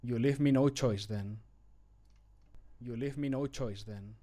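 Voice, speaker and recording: A man voicing a stern, curt male fighter from a fantasy video game, with deliberate, commanding delivery. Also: medium pitch, dark tone, lightly acted. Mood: grim warning. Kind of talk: video game voice line acting.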